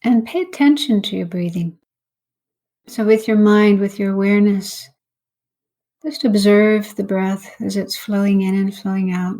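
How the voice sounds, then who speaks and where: Guiding a meditation session, a woman who teaches meditation speaks with a medium-pitched, dark-toned voice. Her instructions come slowly, separated by long pauses.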